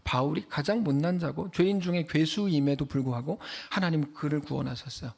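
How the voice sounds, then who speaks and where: A man preaching a Sunday sermon as pastor, acting out quoted voices and dropping to a hush for emphasis. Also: on the high side, fairly quick, vocal fry.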